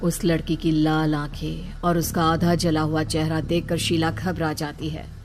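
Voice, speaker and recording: A woman narrating a cartoon story in a brisk, blunt scripted manner. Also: low voice, flat delivery, over music.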